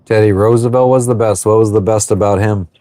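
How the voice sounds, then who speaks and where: Thirtysomething guy on a boat livestream, lowish voice, cussing a lot, dry close sound. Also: steady tone, fairly quick, dark tone, no room sound. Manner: swears freely, chatty and offhand. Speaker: livestream host. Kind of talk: casual live chat reading viewer comments. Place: on an anchored sailboat.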